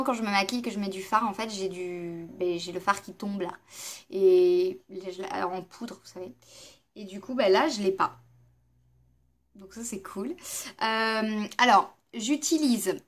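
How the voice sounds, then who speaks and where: Woman doing a casual makeup review, lots of ums, chatty and a bit unsure. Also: medium pitch. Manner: hesitant, chatty, many fillers. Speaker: beauty vlogger.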